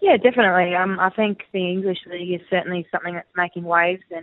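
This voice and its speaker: A woman talks at a fairly quick pace with an Australian accent. Her fairly low voice stays monotone and flat. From Mount Gambier, South Australia. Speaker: professional footballer. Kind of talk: radio interview.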